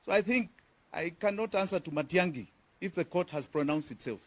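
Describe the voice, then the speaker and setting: A man's voice: sits high, animated, brisk. A man with a Kenyan accent, a politician answering reporters' questions at a press conference in a firm, emphatic way, repeating key phrases.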